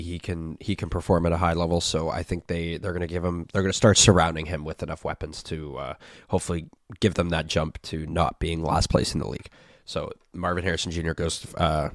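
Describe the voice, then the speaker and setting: A man hosting a casual sports chat, stuffy from a cold, relaxed and full of fillers. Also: sits low, fairly quick, hardly any pauses, dry recording, clean studio sound. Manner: laid-back, filler-heavy. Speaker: podcast host.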